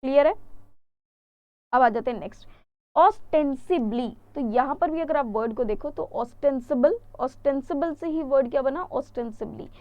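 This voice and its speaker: High-voiced Indian woman teaching vocabulary. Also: moderate pace, no echo, muffled recording. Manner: chatty explaining, asks questions and answers them. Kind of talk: online exam-prep lesson.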